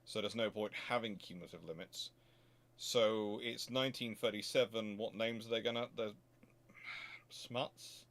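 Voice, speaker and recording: A man's voice: on the low side, fairly even intonation, normal speed, fairly bright tone. A man hosting a casual question-and-answer session, rambling off the cuff and often correcting himself as he thinks aloud. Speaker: host answering viewer questions.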